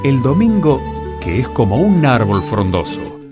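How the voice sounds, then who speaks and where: A man's voice: medium pitch, big pitch swings, a little slow. A man reading a scripted program introduction as its announcer. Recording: guitar music behind the voice.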